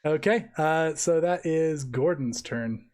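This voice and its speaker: A woman's voice: sits low, takes it slowly, a little mellow. A woman running a tabletop roleplaying game as game master, talking casually and playfully.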